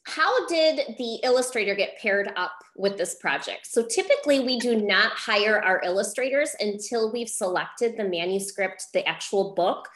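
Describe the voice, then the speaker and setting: Lively woman host in an echoey room. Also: medium pitch, moderate pace, few pauses. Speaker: host, book publisher. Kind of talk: moderating a question-and-answer session for children. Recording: roomy echo on a video call.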